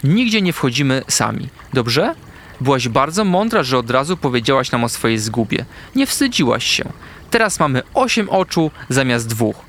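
A man voicing a wise, caring female owl who guides young animals, speaking in a soft, calm, soothing voice. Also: mid-range voice, moderate pace, a little hiss or hum. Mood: encouraging.

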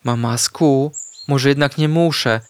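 A man's voice: medium pitch, measured pace, clear, resonant tone, close to an everyday voice. A man voicing a timid little male puppy who is scared of doctors, in a whiny, pleading, small voice for a storybook. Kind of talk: storybook character voice.

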